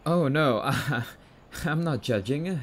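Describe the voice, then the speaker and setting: A jumpy young catboy boyfriend, acted by a man for an ASMR roleplay. He talks slowly at a medium pitch, tripping and stammering over his words, shy and a little bratty but sweet. There is clear noise behind the voice. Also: expressive. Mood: excited, startled. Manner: stammering, halting, hesitant.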